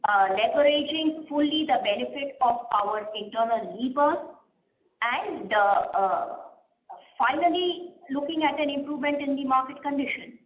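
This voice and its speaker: A woman, a company executive answering questions on an earnings call in a measured, explanatory way, pausing often with "uh". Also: sits high. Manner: measured, explanatory, frequent "uh" pauses. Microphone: conference call line. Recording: roomy, slightly muffled conference line.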